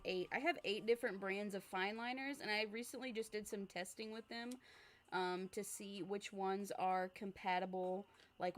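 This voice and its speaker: A young woman at an average pitch talks casually to her livestream viewers while she draws. She rambles in a relaxed way, uses many fillers and laughs lightly, and keeps answering questions from her audience. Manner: chatty, rambling, reads viewer comments aloud. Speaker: art livestreamer.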